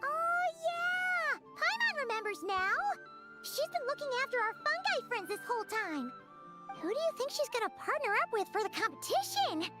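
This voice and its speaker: A woman voicing a tiny, chirpy, excitable girl companion in a game, with a very high, squeaky voice. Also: normal speed, loud music behind the voice. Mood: eager. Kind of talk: game voice acting.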